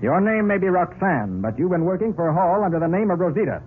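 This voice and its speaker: A confident, authoritative private detective in an old radio mystery. He talks quickly with a lively, varied pitch. The recording is tinny and faintly hissy. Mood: accusing. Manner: authoritative, crisp orders. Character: brisk, confident, commanding master private detective. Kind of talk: 1940s radio acting.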